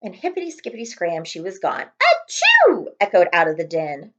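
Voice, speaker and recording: A woman reading a children's storybook aloud as host, expressive and speaking directly to young listeners with friendly asides. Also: on the low side, fairly quick, highs cut off. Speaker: read-aloud host, librarian.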